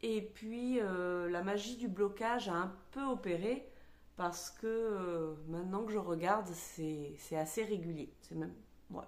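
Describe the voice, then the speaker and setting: A woman at a very slow pace, ordinary pitch variation, audible room echo around her voice. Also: medium pitch for a woman. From France. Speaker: knitting podcaster. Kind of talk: casual vlog chat. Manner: hesitant, many fillers.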